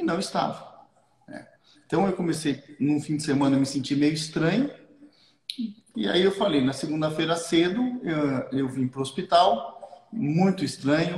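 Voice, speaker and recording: In a normal speaking voice, a man with a fairly high pitch talks at a fairly slow pace, his pitch varying in an ordinary way. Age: 60s. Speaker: cardiologist. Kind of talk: casual chat.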